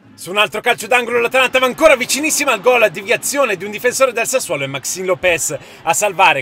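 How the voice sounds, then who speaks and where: Raising and projecting his voice, a man talks very fast in an energetic tone with very wide pitch swings, the sound dry and close with no echo yet with noticeable background noise. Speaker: football commentator. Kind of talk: football match highlights commentary, recap voiceover. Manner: fast, energetic play-by-play delivery.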